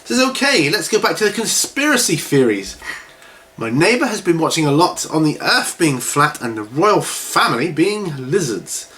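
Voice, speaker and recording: A man's voice: a little high, very animated, normal speed, a bit bright. A middle-aged man with a slightly congested voice, chatting casually and in a rambling way as the host of a video series. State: recovering from a cold, with a cough. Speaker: host of a hobby question-and-answer video series. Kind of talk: casual chat to camera. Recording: clearly noisy home recording.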